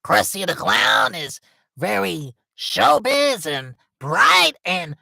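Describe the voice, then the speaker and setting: A man's voice: sits high, sing-song, slow, gravelly, pushed and bright, no room sound, clean studio sound, pitched above the performer's own voice, heavily acted. A man voicing a brash, showy cartoon clown in a raised voice. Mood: showbiz. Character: showbiz cartoon clown, middle-aged man, grumpy offstage.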